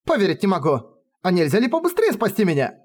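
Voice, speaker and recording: A man's voice: high voice, wildly swooping pitch, quick pace, pitched above the performer's own voice, heavily acted. A man voicing a frantic, emotional young female lieutenant who pleads and gives orders. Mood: pleading, bossy.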